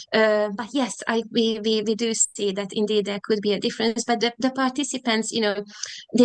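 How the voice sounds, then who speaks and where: Monotone, flat intonation marks this woman's speech in a Hungarian accent. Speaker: professor. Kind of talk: academic Q&A.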